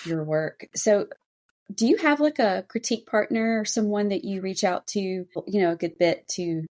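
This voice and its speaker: A woman's voice: mid-range voice, moderate pace, a little mellow. Woman podcast host, encouraging and conversational. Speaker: podcast host interviewing a writer. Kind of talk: casual conversational interview.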